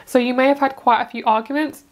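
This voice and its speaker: A woman's voice: sits high, fairly even intonation, quick pace. A woman giving a casual tarot reading, chatty and rambling, breaking off into asides. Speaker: tarot reader.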